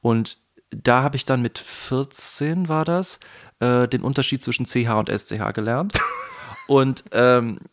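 A man from the Palatinate region of Germany with a faint Palatinate German accent, a voice actor speaking thoughtfully in a relaxed interview, pausing often with fillers. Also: medium pitch. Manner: thoughtful, hesitant, many fillers. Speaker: guest, voice actor. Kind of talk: casual conversational interview.

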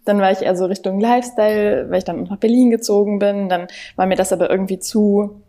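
A woman's voice: mid-range voice, steady tone, quick pace, dark tone. A woman in her twenties, a content creator, chatting casually and rambling as a podcast guest on a call. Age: 20s. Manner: chatty, rambling with many fillers. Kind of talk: casual interview talk. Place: remote, on a call from home city.

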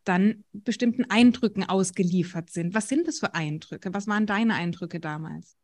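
Calm woman interviewer. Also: medium pitch, normal speed. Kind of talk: interview questions.

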